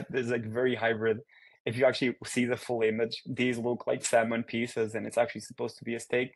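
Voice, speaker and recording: A man's voice: medium pitch, flat delivery, fairly quick, husky. A young man from Portugal giving an online research talk over a video call, in a casual, upbeat way with frequent fillers. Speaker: guest speaker.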